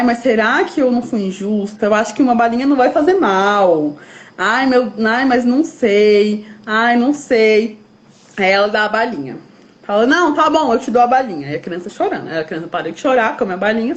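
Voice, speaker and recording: A Brazilian woman, a guest specialist, explaining step by step and acting out what parents and children say. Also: on the high side. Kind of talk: explanatory interview talk.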